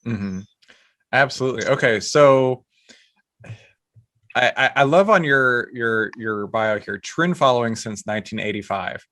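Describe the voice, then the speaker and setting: A man hosts a podcast interview, his voice sitting at a middle pitch. He talks eagerly, stumbling into repeated restarts and fillers. The sound is dry and close. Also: a little slow, long pauses, sharp tone, dry recording. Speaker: podcast host.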